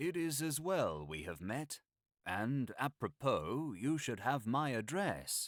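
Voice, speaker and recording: A man does a husky put-on character voice at a medium pitch. His pace is fairly slow, and the recording is very clean with a silent background. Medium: read story. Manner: guarded, menacing.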